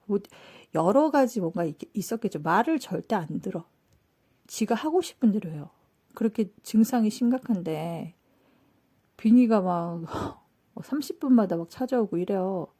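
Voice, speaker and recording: A woman telling a personal story in a casual, animated way, acting out what people said. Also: mid-range voice, moderate pace, husky. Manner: animated, acts out quoted dialogue. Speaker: channel host telling a story.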